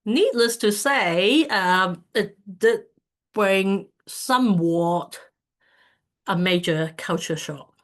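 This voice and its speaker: Woman from Hong Kong presenting to an online community, halting and filler-heavy, on a computer mic. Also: medium pitch. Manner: hesitant, many fillers and restarts. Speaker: speaker at an online community event. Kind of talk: casual presentation talk.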